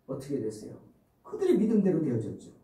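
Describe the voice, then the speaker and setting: Preacher with a lively voice, heard from afar in a church. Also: male voice, a little high, fast. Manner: rhetorical questions to the congregation; dramatic storytelling. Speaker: pastor. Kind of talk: sermon. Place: church sanctuary. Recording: roomy, distant church recording.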